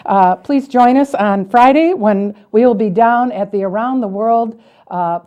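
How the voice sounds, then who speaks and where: A woman's voice: fairly high pitch, measured pace, mellow, muffled recording. An American woman hosting a local television show, doing interviews and reading community announcements.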